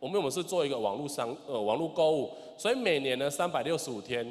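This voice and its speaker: With a Taiwanese accent, a man speaks at a fairly high pitch and a fairly quick pace, with very wide pitch swings. Noticeable background noise is present. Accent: Taiwanese Mandarin. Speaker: network marketing speaker. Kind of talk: sales pitch. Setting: stage with audience.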